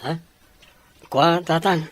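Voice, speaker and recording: A man's voice: a little high, fairly even intonation, slow pace, fairly bright tone, no echo. A man playing an earnest, dutiful young man in an audio drama, speaking in a polite, placating way. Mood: evasive, nervous.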